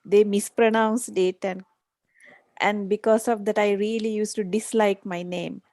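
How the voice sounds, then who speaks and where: A woman from Sri Lanka, a participant in an online session, sharing a personal story in a soft, chuckling way. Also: medium pitch, steady tone, measured pace, no echo.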